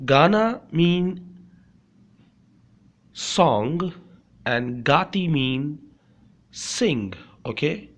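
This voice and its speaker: A man's voice: mid-range voice, muffled recording. South Asian-accented man teaching a beginner language lesson. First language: Urdu. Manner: repetitive, frequently checking understanding with "okay".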